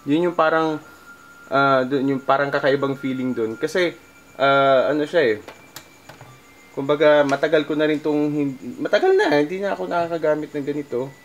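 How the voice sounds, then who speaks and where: A middle-aged Filipino man talks casually to viewers in a halting, conversational vlog style, thinking aloud as he demonstrates. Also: fairly high pitch, slight background noise. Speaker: musician vlogger.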